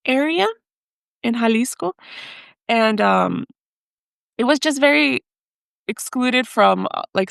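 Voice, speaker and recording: On the high side and creaky, this woman's voice is captured at studio quality with no echo. She's a podcast guest raised in the United States by Mexican parents, recounting her personal story with hesitation and emotion and mixing in Spanish phrases.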